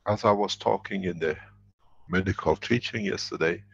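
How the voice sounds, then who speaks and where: Lecturing man, very deep gravelly voice, husky, emphatic and repetitive, dull lo-fi recording. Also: moderate pace, no room sound. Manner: emphatic, repeats key phrases. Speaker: workshop lecturer. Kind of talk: spoken workshop lecture.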